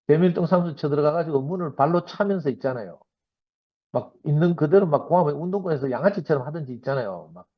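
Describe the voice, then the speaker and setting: A man in his fifties with a Gyeongsang accent, giving a sermon-style personal testimony to a church gathering in a lively storytelling manner. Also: fairly high pitch, breathy edge. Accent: Gyeongsang Korean. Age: 50s. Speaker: church member giving a talk. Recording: dull lo-fi recording.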